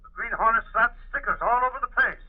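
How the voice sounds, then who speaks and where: An actor in a 1930s radio drama playing a police officer rapidly reporting over a telephone filter. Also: male voice, very high-pitched. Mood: urgent. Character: hurried police officer on the phone. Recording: tinny radio over a phone line.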